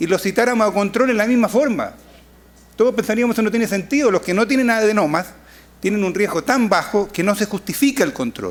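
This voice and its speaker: A man at a high pitch, with ordinary pitch variation and a fairly quick pace. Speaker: physician, gastroenterology conference speaker. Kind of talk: conference lecture. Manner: fast.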